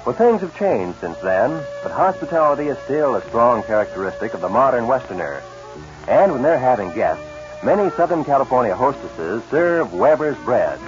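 A man in the manner of an old radio announcer, reading scripted copy with a very animated, swinging delivery. The recording is dull and lo-fi like vintage radio, with clear music behind him. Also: mid-range voice.

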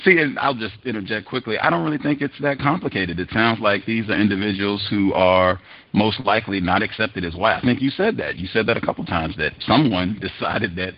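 Deep-voiced male host, lo-fi sound. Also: brisk. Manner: direct, interjecting, reads quotes aloud. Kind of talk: interview questions.

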